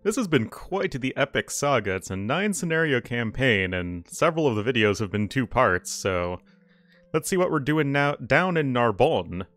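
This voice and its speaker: A man hosting a strategy game video, reading mission text aloud in a relaxed, chatty way. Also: mid-range voice, moderate pace, dry recording, soft background music. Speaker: gaming channel host. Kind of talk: let's play commentary.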